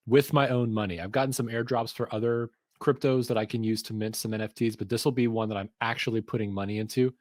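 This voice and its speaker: A man's voice: medium pitch, no echo, studio quality. A man co-hosting a podcast, chatting in an eager, playful way. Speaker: podcast co-host. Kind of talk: casual podcast conversation.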